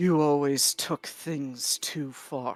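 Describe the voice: A put-on character voice sits at a low-to-middle pitch. The recording is very clean, with a silent background.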